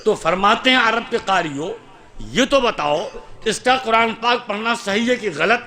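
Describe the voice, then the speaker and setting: A male preacher with a high, bright voice delivers an oratorical sermon at an outdoor religious gathering. He guides listeners through chanted invocations. His tone is clear and carries forcefully. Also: expressive. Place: outdoor conference in a mosque courtyard.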